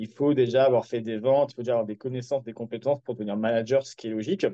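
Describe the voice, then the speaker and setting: Speaking at a very fast pace, a man keeps his intonation fairly even. His pitch sits in the medium range. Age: 20s. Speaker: entrepreneur. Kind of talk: interview. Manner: halting, many fillers.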